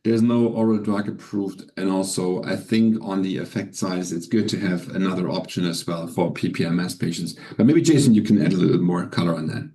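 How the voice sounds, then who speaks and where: Low, mellow-voiced man answering carefully. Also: a little fast, few pauses. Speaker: company executive. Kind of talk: earnings call answers.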